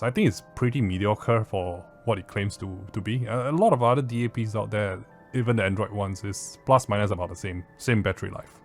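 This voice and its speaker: A man with a Southeast Asian accent giving a casual product review in a blunt, informal, mildly sweary way. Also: lowish voice. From Southeast Asia. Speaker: audio gear reviewer.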